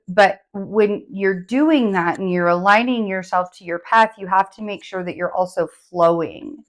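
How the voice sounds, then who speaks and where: A hoarse woman giving a casual, chatty tarot forecast, rambling with many fillers as she recovers from laryngitis. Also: mid-range voice, a bit bright. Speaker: tarot reader.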